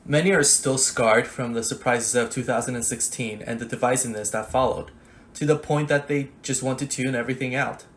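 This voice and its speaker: A man's voice: medium pitch, steady tone, a little fast, close to an everyday voice. A man playing a wry, weary debate moderator in a staged political satire, presenting like an announcer.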